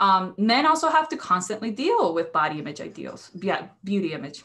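In a Spanish accent, a woman talks with a bright, sharp tone. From Colombia. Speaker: mental health counselor; presenter. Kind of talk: webinar presentation. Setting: video call. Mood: warm, moved in last clip. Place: home room. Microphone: webcam.

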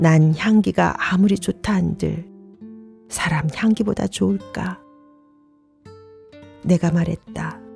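Music plays behind a woman who speaks at a very slow pace. Her tone is calm. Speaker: poetry reciter. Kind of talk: poetry reading. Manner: soft-spoken, calm.

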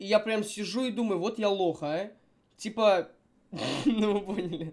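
Here a man speaks at a fairly slow pace. His voice is high-pitched. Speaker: streamer reacting to a music video. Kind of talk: casual reaction stream chat. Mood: playful, storytelling, self-mocking.

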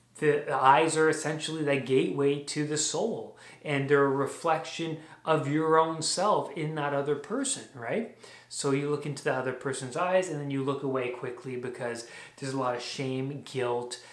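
A man talks at a moderate pace with fairly even intonation. Room echo is audible. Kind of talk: talking-head advice monologue. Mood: earnest, concerned. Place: home room.

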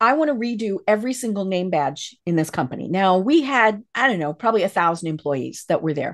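Over a quiet background, a woman with an American accent speaks at a fairly quick pace in a medium pitch, her pitch swinging very widely. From US, Colorado. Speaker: business podcast host. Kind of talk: interview conversation. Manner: animated. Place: home room. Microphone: video call.

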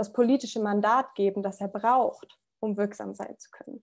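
Against a quiet background, the voice has a dark, mellow tone and fairly even intonation. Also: woman. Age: 20s. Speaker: business psychologist, climate activist. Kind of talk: prepared speech. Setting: video call, standing. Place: home room. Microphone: earbuds.

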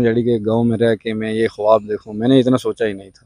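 Over a quiet background, a man speaks in a dark, mellow tone, the sound dry and close with no echo. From Poonch district, Jammu and Kashmir. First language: Gojri (speaking Hindi). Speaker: comedian. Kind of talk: interview.

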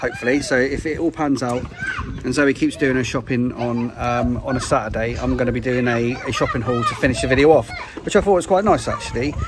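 A man talks at a fairly quick pace with ordinary pitch variation. The sound is dry with no echo, with noticeable background noise. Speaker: family vlogger. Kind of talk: casual vlog chat. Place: street. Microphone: phone near.

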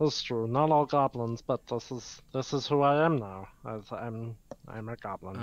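Against a quiet background, a man puts on a character voice at a medium pitch and a fairly slow pace.

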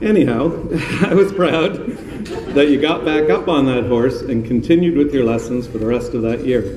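A man speaks at a moderate pace while noticeable background noise plays behind him. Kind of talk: wedding speech. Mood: warm, humorous, proud. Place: hall. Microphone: podium.

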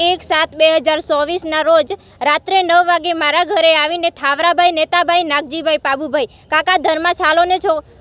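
Extremely high in pitch, a woman speaks in a monotone, flat intonation with a dry, close sound and no echo. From Gujarat, India (Banaskantha). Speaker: victim's daughter. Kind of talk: news interview statement. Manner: impassioned.

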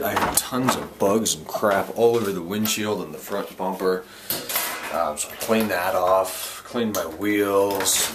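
Against noticeable background noise, a man talks at a fairly slow pace in a fairly low pitch with fairly even intonation. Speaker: vlogger. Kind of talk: casual vlog chat. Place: garage. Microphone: phone near.

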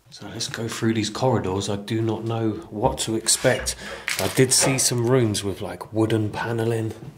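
Against noticeable background noise, a man speaks at a moderate pace with monotone, flat intonation. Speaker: urban explorer vlogger. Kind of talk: casual vlog chat. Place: hall. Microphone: phone near.

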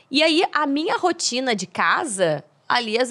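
An animated tone with very wide pitch swings. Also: woman, quiet background. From Rio Grande do Sul, Brazil. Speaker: journalist. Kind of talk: casual interview chat. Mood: lively, warm storytelling. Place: studio. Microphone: studio mic.

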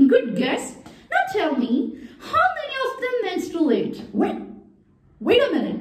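A woman puts on a cartoonish character voice at a high pitch with very wide pitch swings. She speaks at a fairly slow pace with a slight echo. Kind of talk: public awareness skit. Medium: puppet.

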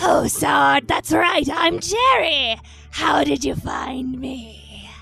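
A female-sounding put-on character voice speaks at a very slow pace over clear music in the background. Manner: sudden loud volume.

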